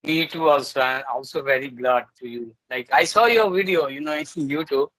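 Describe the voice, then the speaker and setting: A man's voice: medium pitch, moderate pace, fairly bright tone, no echo, poor audio. A man with an Indian English accent, Urdu as his first language, chatting hesitantly on a video call while practicing English, with many fillers and restarts. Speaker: English learner. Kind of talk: casual video call chat.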